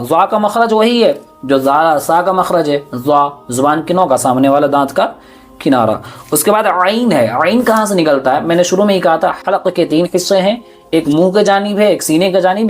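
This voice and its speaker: Man teaching letter sounds slowly. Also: on the high side. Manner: slow, repeats each letter sound several times. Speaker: Quran teacher. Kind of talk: Quran pronunciation lesson.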